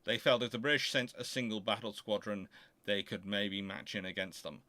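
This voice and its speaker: Bright-voiced man fielding history questions. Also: lowish voice, no room sound. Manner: halting, self-correcting, explanatory. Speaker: host of a naval history Q&A show. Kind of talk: informal question-and-answer commentary, reading questions aloud.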